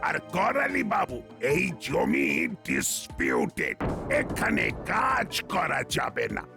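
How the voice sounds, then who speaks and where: A bossy cartoon policeman, heavily gravelly and swinging wildly in pitch. He drawls pompously and barks his orders loudly. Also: wildly swooping pitch, slow, over music, full character voice. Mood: bossy, commanding. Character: bossy male police officer, loud and theatrical. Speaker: police officer.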